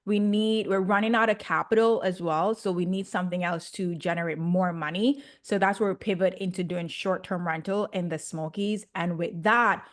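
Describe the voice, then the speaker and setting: A woman's voice: on the low side, moderate pace, hardly any pauses. A young woman from Jamaica with a Jamaican accent, a chatty podcast guest who laughs easily. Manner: chatty, laughs often, excitable. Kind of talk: casual interview.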